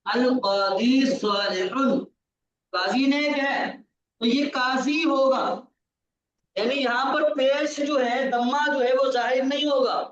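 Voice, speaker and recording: A man's voice: very high voice, fairly even intonation, takes it slowly, fairly bright tone, a little hiss or hum. A male teacher giving a grammar lesson in a patient, repetitive way, checking that his student understands. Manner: patient, repeats key points, checks understanding. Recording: distant, roomy, dull lo-fi sound.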